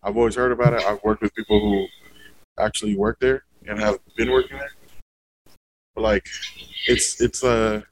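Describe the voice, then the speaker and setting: A man's voice: lowish voice, fairly even intonation, normal speed, long pauses, poor audio. A man, co-hosting a podcast in a casual, laid-back way that is heavy on "bro" and "like.". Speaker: podcast co-host. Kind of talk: casual chat.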